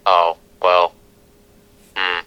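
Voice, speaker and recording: A man's voice: deep voice, monotone, drawn-out words, muffled recording. A man calling in to a podcast over a speakerphone, terse and sparing with his words. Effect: heard over a speakerphone call. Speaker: podcast phone-in guest. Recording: speakerphone line with crowd noise.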